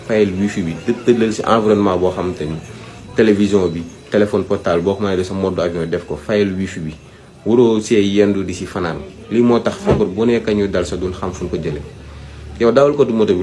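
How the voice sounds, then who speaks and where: A Senegalese man with a low, soft-edged voice gives informal advice. He is emphatic and direct, often repeating a point for the listener. A little noise sits behind him. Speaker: speaker giving health advice. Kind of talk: informal advisory talk, Wolof mixed with French.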